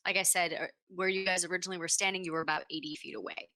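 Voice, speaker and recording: A woman's voice: fairly low pitch, fairly even intonation, racing, sharp tone, no echo. A woman narrating a tabletop game as game master, describing the action vividly with casual fillers.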